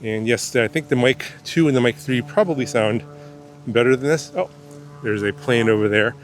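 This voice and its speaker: A man's voice: mid-range voice, normal speed, soft background music. A man talking outdoors into a wireless clip-on mic with noise reduction processing on, vlogging casually about camera gear with lots of fillers and restarts. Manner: rambling, many fillers and restarts. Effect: noise reduction processing on the mic audio. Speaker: camera reviewer. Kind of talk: casual gear-test vlog. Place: outdoors among trees.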